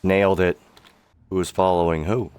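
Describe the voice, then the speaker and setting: A man's voice: sits low, level tone, normal speed, a little mellow, smooth, no room sound. A man giving casual live-stream game commentary, his voice worn from sickness and hours of streaming. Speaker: streamer, amateur voice actor.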